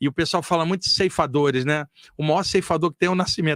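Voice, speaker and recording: Here a man talks with a fairly high pitch. The pitch varies in an ordinary way. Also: dry, close sound with no echo, very clean recording, silent background. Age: 60s. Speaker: spiritual teacher and medium. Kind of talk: interview. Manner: animated.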